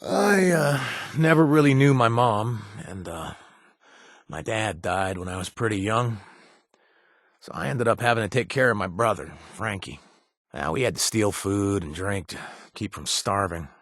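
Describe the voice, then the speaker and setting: An actor playing a remorseful former gang member and recovering addict who now runs a bar, talking casually with wry asides and trailing hesitations, recorded in a dry booth. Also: male voice, on the low side, lively intonation, measured pace, fairly bright tone, no room sound, exaggerated voice. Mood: confessional. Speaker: companion character. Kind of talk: video game voice acting.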